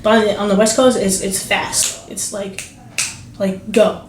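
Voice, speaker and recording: A young woman from New Jersey talks through an interview, full of fillers and false starts. Her voice has a middle pitch. It carries some room echo with a faint hiss underneath. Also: flat delivery, a little slow. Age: young adult. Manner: rambling, many fillers and restarts. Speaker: basketball recruit. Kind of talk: casual interview.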